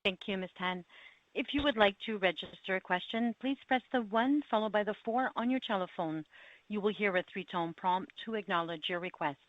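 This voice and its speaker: A woman's voice: mid-range voice, a little fast, no room sound. A woman working as a conference call operator, reading scripted procedural instructions in a formal, courteous way over a phone line. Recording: dry, slightly dull call line.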